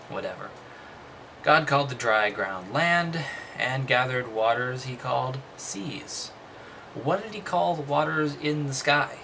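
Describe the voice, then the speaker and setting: A man's voice: mid-range voice, sharp tone, a little hiss or hum. A man reading a text aloud and commenting casually, with dry, skeptical, dismissive asides. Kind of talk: casual commentary between read-aloud passages.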